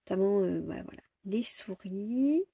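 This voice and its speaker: Woman vlogger rambling about coloring books, bit gravelly and husky, dry close sound. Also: mid-range voice, lively intonation, unhurried, dark tone, dry recording. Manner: chatty, hesitant, many fillers and repeats. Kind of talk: casual chat about coloring plans.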